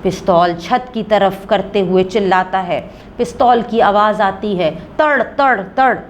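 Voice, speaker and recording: Woman teacher, reading a play to a class, slow, expressive pitch, faint background hiss. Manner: explaining, checking understanding.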